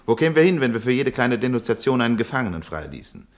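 A man playing a cold, condescending wartime officer in a German radio play, formal, officious and smoothly evasive. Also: mid-range voice, big pitch swings, fast. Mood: dismissive.

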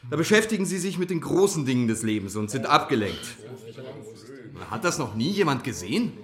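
A man's voice: mid-range voice, sing-song, a little fast, lightly acted. An actor playing a genial activist giving a talk, teasing his audience with questions and wry innuendo in a radio drama. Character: genial, teasing male activist lecturer on crop circles. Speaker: guest speaker. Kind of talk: naturalistic German radio crime drama. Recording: echoey room, audience murmur behind.

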